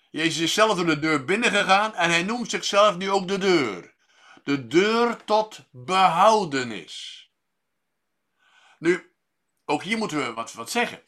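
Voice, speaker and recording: A man preaching a sermon, measured and pausing often with fillers and restarts, lifting his voice on key words. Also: on the high side, pushed and bright.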